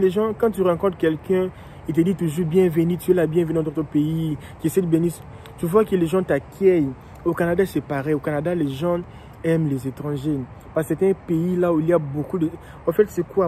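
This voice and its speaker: A man talks through immigration questions, with a very dark, mellow tone on a slightly raised pitch. He goes slowly, repeating himself and pausing on fillers. Faint city traffic hums behind him outdoors. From Democratic Republic of the Congo. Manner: slow and repetitive, with frequent hesitations and restarts. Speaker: immigration vlogger and coach. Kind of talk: casual explanatory monologue.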